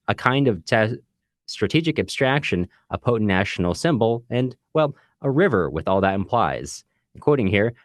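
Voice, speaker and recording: A man with a low voice co-hosts a book podcast. He speaks in a casual, conversational way, and the sound is dry, with very little room in it. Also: no room sound. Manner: reads listener comments aloud. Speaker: podcast co-host.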